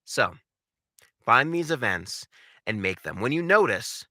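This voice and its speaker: A man's voice: mid-range voice, big pitch swings, measured pace, pushed and bright, no echo, studio quality. A man giving an instructional talk as a voice acting coach, emphatic and theatrical, repeating key words, with informal conversational asides. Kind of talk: instructional talk with numbered tips.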